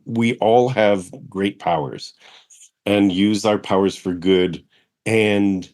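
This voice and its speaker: A middle-aged man hosts the conversation in a very deep voice. He sounds eager and encouraging, underscoring his guest's points and piling on affirmations. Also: darkish tone. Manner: enthusiastic, encouraging, repeats affirmations. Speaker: podcast host. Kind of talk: casual interview conversation.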